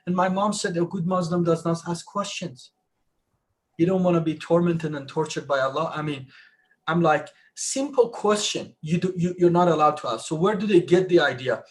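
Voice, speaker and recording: Man telling a story in halting restarts. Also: on the high side. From Iran. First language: Persian. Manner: halting, many restarts, rising emphasis. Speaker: panelist. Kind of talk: live online discussion.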